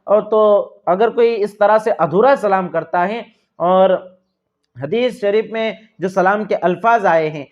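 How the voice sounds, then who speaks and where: A religious teacher with a high-pitched voice and a Pakistani Urdu accent gives earnest, repetitive instruction, calling his viewers dear friends. The sound is dull and lo-fi.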